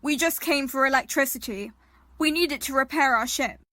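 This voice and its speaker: Woman acting a high-voiced, careful young bluffer. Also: a little fast, bright, forceful tone, no room sound, clean studio sound. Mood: nervous, bluffing. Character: quick-thinking young woman bluffing politely as an alien. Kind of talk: audio drama acting.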